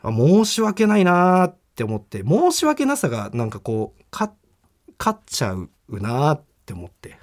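A man's voice: a little high, normal speed. A man hosting a radio talk show, telling a personal story in a casual way and acting out the voices of the people in it. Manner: animated storytelling, acts out quoted people. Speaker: comedian and radio show host. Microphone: studio microphone.

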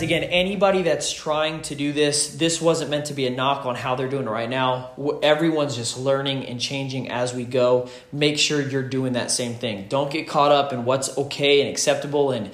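A man at medium pitch and normal speed, his intonation fairly even, shares earnest, informal motivational advice with peers, emphatically repeating his key phrases. He owns a gym and hosts a fitness business show, speaking from his outdoor home gym under a roof in a rainstorm. Sound echoes, and the storm's rain hits the roof.

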